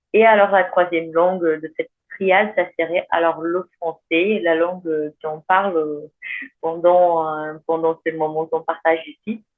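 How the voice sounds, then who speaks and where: Delivered at a very slow pace with long, frequent pauses, the speech has fairly even intonation and a Brazilian accent. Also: woman. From southern Brazil. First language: Portuguese (speaking French). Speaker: language mentor and entrepreneur. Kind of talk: talk to an audience. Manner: halting, many fillers.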